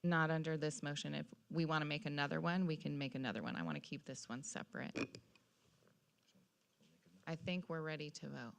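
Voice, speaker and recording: A woman's voice: deep voice, a little fast, vocal fry, long pauses. An American woman speaking as mayor at a council meeting, plainly and carefully restating and checking each point. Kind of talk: formal public meeting discussion, plain-spoken. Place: council chamber, public meeting.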